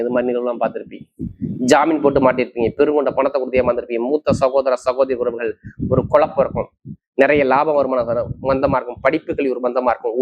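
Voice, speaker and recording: Male astrologer, mid-pitched voice, emphatic and repetitive, punching out points in short bursts. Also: lo-fi sound. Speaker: astrologer presenting horoscope forecasts. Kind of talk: monthly horoscope talk to camera.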